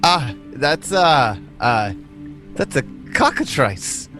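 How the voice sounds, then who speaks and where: A man plays an easily disgusted dwarf for a tabletop game, pitched well up from an everyday male voice. The dwarf stammers and exclaims in a flustered way, with music playing behind. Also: very animated, takes it slowly, sharp tone, exaggerated voice.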